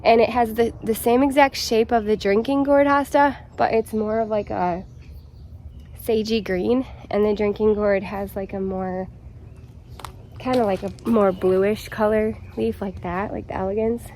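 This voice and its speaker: Excited chatty woman outdoors in her garden. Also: medium pitch, a little slow, a little hiss or hum. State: slightly out of breath. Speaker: gardening vlogger. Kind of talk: casual vlog chat.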